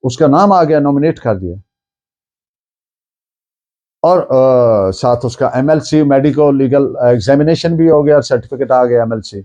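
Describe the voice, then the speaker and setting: A man with a Pakistani accent giving an explanatory law lecture in a didactic way, posing questions and answering them, with deliberate switches into English legal terms. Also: mid-range voice, expressive, mellow, highs cut off.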